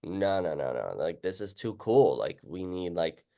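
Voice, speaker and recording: Deep-voiced man chatting as interviewer. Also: very animated, measured pace, gravelly, warm tone. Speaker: interviewer, book author. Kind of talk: casual chat.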